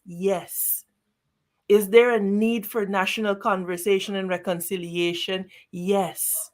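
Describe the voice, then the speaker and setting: A woman, a guest on a talk show, speaking earnestly in a measured, emphatic way with rhetorical questions. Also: mid-range voice. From Guyana. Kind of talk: earnest political commentary.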